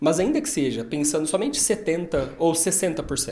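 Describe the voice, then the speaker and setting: A man's fairly high voice with vocal fry, at a very slow pace. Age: 30s. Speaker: podcast host. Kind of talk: casual chat.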